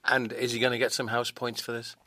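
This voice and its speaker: A man's voice: mid-range voice, monotone, a little fast, sharp tone, dry recording. A man hosting a radio interview, effusive and repeating his words of praise. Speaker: radio host. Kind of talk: on-air interview.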